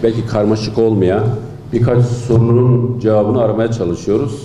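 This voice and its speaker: A man speaks at a moderate pace in a monotone, flat intonation. There is audible room echo and light background noise. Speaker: party economics official, professor. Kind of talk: interview answer. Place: hall. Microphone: handheld.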